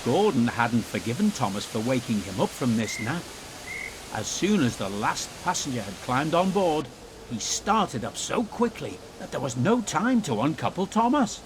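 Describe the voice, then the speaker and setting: A man's voice: medium pitch, big pitch swings, moderate pace, noisy background. A man narrating a scripted children's story as its storyteller.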